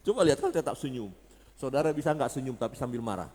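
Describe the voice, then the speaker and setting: Joking preacher in a reverberant church. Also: male voice, mid-range voice, animated, brisk, darkish tone, a little hiss or hum. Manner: joking with the congregation, rising to emphatic peaks. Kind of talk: sermon.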